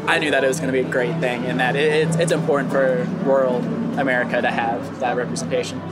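A man's voice: medium pitch, flat delivery, fast talker, loud music behind the voice. A young man, a campaign intern, speaking in an earnest, enthusiastic way.

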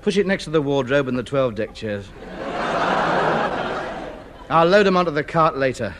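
A man's voice: medium pitch, sing-song, normal speed, very noisy, lightly acted. An actor playing a pompous, easily ruffled man buying up junk in a 1950s radio comedy. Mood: haggling. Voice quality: pompous, indignant.

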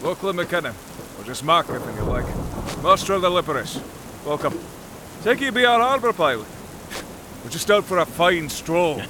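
Scottish ship captain; breezy and blunt, higher pitch, stormy deck. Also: male voice, big pitch swings, normal speed, pauses often, background noise.

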